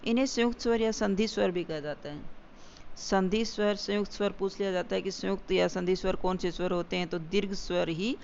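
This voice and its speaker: A grammar teacher explaining definitions step by step, repeating key points and slowing down for examples. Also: mid-range voice, fairly even intonation, creaky, a little mellow. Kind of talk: exam-prep grammar lesson. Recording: dull lo-fi recording with faint hiss.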